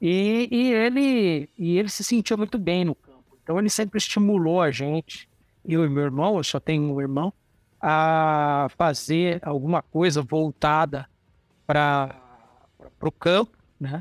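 Speaking at a fairly slow pace with lively intonation, a man uses a fairly high pitch, recorded with a dry, close sound and no echo. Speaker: agronomist and farmer. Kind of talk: interview. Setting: remote call. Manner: passionate.

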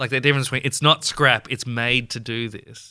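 A man speaks with an Australian accent and a bright, sharp tone. The recording is very clean, with a silent background. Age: 30s. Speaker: podcast host, tattoo artist. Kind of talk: casual interview chat.

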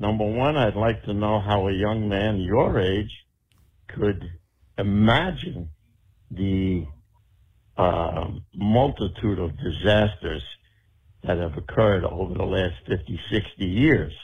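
A man speaks very slowly, with long, frequent pauses, in a fairly low, somewhat breathy voice. His pitch variation is ordinary. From New Jersey. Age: 70s. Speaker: caller, longtime fan. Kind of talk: casual call-in. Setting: phone call.

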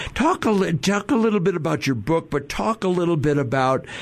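A man talks at a moderate pace with a fairly high pitch and lively intonation. It is a plain, everyday voice. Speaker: radio host. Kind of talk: radio talk show. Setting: studio.

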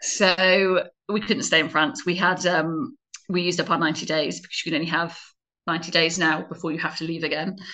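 At a moderate pace, a woman with a British accent speaks in a fairly low pitch with ordinary pitch variation. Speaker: guest, expat traveller and mother. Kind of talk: casual interview chat.

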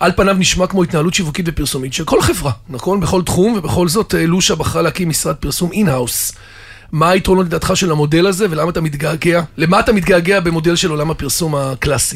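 Over noticeable background noise, a man with a high pitch rattles along at a very fast pace with hardly any pauses and ordinary pitch variation. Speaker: podcast host. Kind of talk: interview. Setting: studio.

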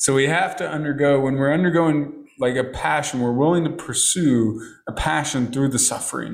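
A man with an unremarkable speaking voice, fairly high pitch, fairly even intonation and a moderate pace. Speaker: business mentor and author. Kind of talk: interview conversation.

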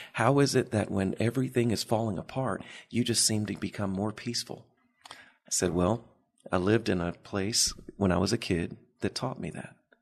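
An ordinary speaking voice from a man with an American accent, fairly low in pitch, at a moderate pace with ordinary pitch variation over a quiet background. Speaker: pastor. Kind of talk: testimony.

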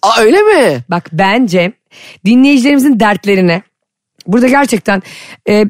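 A woman talks with an animated tone and lively intonation. The sound is dry and close, with no echo. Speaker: podcast co-host. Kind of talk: casual chat. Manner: fast.

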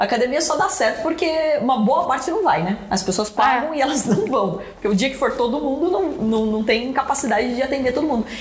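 Amid noticeable background noise and audible room echo, a woman with a high pitch talks at a fairly quick pace with hardly any pauses, very even loudness and very wide pitch swings. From interior of São Paulo state, Brazil. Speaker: podcast host and entrepreneur. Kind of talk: interview.

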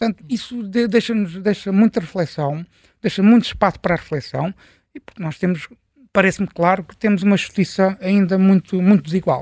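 Captured on a very clean recording with a silent background and a dry, close sound with no echo, a man speaks at a fairly quick pace in a high pitch, with ordinary pitch variation and big swings in loudness. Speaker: journalist. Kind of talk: radio panel discussion.

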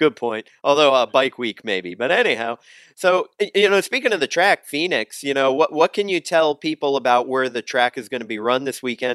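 In an ordinary speaking voice, a man talks fairly quickly at a medium pitch with lively intonation, the sound dry and close with no echo. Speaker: podcast host. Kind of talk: interview podcast conversation.

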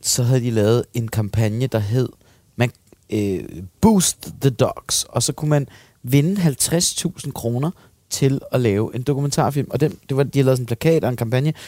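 A man talks in a dark, mellow tone at a medium pitch. The recording is very clean, with a silent background. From Copenhagen, Denmark. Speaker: film director. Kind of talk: interview.

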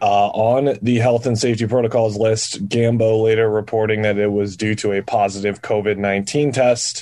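A man talks at a moderate pace in a fairly low, flat monotone, with very even loudness and hardly any pauses. Noticeable background noise runs underneath. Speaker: sports podcast host. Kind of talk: casual chat.

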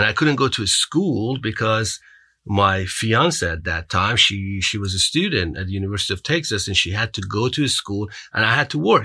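Against a quiet background, a man with a Persian accent speaks at a moderate pace, his fairly low voice bright and sharp in tone, with lively intonation. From Iran. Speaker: war veteran and business CEO. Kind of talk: podcast interview.

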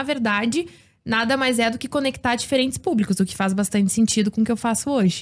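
A woman talks at a fairly quick pace with a fairly high pitch, ordinary pitch variation and a normal speaking voice. The recording is very clean, with a silent background. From interior of Rio Grande do Sul, Brazil. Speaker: farmer and content creator. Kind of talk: casual podcast conversation. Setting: studio.

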